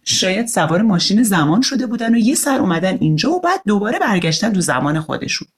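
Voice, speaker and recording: A woman voicing a curious, cheerful young boy in a storybook reading, eager and quick to laugh. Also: medium pitch, very animated, breathy edge. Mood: amazed, playful.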